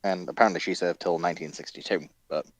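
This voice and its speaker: A man's voice: low voice, fairly even intonation, quick pace. A man in casual discussion on a livestream, musing and questioning as he talks. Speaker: panelist on a naval history stream.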